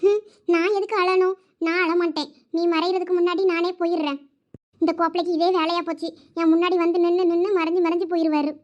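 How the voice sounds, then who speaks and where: A woman's voice: very high voice, level tone, fast, highs cut off. A woman voicing a sulky, hurt young wife with a Thoothukudi Tamil accent in a cartoon, reproachful and insistent. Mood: sad. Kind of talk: cartoon voice acting.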